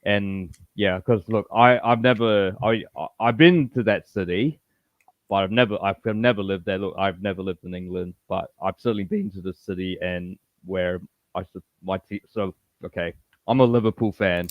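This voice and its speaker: A man from Malaysia with a low voice, heard over a dull, lo-fi and dry connection. He hosts a casual chat, rambling in lively bursts, restarting his sentences and leaning on you-know again and again. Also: normal speed, dry recording. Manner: rambling, animated, many you-knows and restarts. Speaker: podcast host.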